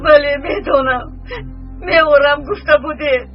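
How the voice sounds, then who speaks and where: A woman plays an emotional young woman with a Tajik accent. Her voice is very high and pleading, recorded dull, with music running under it. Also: close to an everyday voice. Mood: tearful. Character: tearful young woman hiding bad news.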